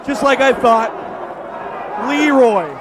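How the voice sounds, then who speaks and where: Shouting high-pitched male wrestling commentator, crowd roaring. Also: slow pace. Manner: exclamatory, often shouting. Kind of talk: excited live wrestling commentary. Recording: noisy arena, loud crowd. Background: loud wrestling crowd.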